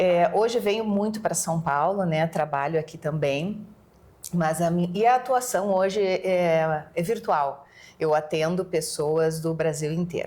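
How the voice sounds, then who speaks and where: In a Rio Grande do Sul accent, a woman talks at a fairly slow pace. Her pitch is fairly low, with ordinary variation. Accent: gaúcho (Rio Grande do Sul) accent, noticeable. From southern Brazil, Porto Alegre. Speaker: lawyer and conflict mediator. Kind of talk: interview.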